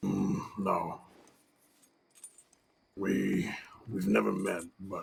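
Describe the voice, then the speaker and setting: A man puts on a raspy character voice at a fairly low pitch. He speaks at a very slow pace. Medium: game stream. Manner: halting, gruff.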